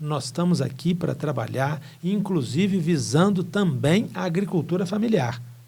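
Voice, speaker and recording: A man's fairly high, dark, mellow voice with vocal fry and lively intonation, at a moderate pace with hardly any pauses, in audible room echo. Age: 60s. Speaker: agronomy professor. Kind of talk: interview.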